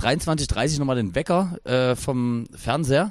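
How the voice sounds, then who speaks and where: Against a quiet background, a man has an unremarkable speaking voice. His pitch is fairly high, with ordinary pitch variation. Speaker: podcast host and DJ. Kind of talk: casual chat. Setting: video call.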